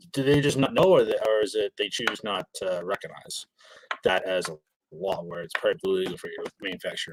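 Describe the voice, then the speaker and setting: A man from Massachusetts, a guest talking loudly and emphatically over a video call, often restarting his sentences. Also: lowish voice, slight background noise, poor audio. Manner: loud and emphatic, rapid restarts. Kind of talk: casual gun talk. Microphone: video call, loud personal mic.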